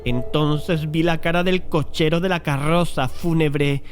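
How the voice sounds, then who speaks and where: A male actor voices a brooding painter recounting a macabre tale for a dramatized horror audiobook. His voice sits a little high for a man. He tells it in a measured, deliberate manner, with music clearly playing behind him. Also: steady tone, close to an everyday voice. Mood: haunted, suspenseful.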